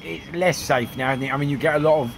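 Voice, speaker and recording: A man interviewing a cafe owner on a handheld phone, excitable, laughing often and tripping over his questions. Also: fairly high pitch, fast talker, creaky, crowd noise. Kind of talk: casual street interview. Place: small cafe, indoors.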